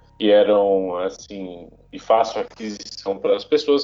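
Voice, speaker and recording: In the background, music plays. A man talks at a moderate pace over it. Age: 40s. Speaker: publisher and horror fan site founder. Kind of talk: podcast interview.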